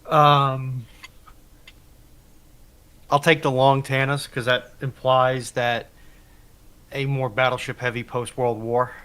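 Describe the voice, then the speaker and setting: Bright-voiced man chatting as a panelist. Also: medium pitch, level tone, slow pace, long pauses, clear, resonant tone. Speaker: panelist on a livestream. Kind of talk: casual chat.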